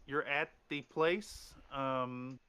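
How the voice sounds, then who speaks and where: A man's voice: mid-range voice, steady tone, drawn-out words, sharp tone, smooth. A man running a tabletop game as game master, rambling with restarts and fillers.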